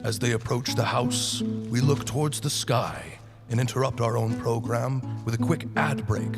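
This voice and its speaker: A man's voice: medium pitch, moderate pace, creaky. A young adult man narrating a scripted fairy tale for live radio. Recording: plucked guitar music behind. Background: prominent live guitar music.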